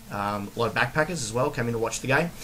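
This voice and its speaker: With an Australian accent, a man talks in a medium pitch with ordinary pitch variation. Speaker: vlogger. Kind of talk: casual monologue. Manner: hesitant, many fillers.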